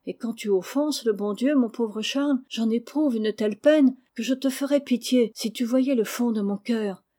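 Storybook blind girl, tender and earnest, read by a woman, mellow and fairly high. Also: moderate pace, natural voice. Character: gentle pious blind young girl.

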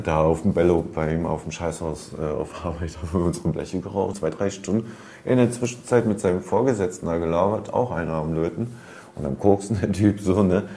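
A man's voice: sits low, creaky, dark tone. A man casually recounting old stories in a rambling way, full of street slang and fillers. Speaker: storyteller recounting past. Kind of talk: casual spoken storytelling.

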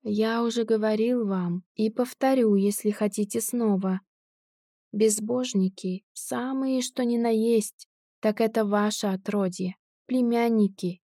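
A woman's voice: on the high side, steady tone, measured pace, mellow, no room sound, studio quality. Woman voicing a sneering drunk tramp. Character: drunk cold-blooded male tramp, grave robber.

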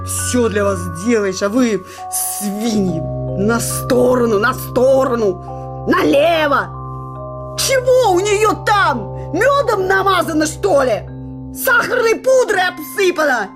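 An actress playing a jealous, sarcastic working-class wife who nags bluntly in a radio comedy play. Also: female voice, sits high, sing-song, slow, over music, full character voice. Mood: scornful, aggrieved. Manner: nagging, sarcastic, colloquial and blunt.

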